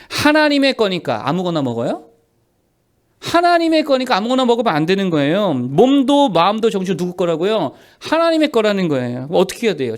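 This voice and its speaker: Emphatic high-voiced male pastor preaching. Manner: rhetorical questions answered himself, emphatic repetition. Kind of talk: sermon.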